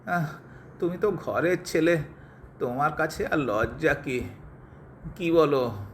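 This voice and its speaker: A man's voice: fairly high pitch, takes it slowly, a little hiss or hum. A man playing a grasping, querulous elderly father-in-law in an audio drama, nagging and wheedling. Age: older. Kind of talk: Bengali audio drama acting.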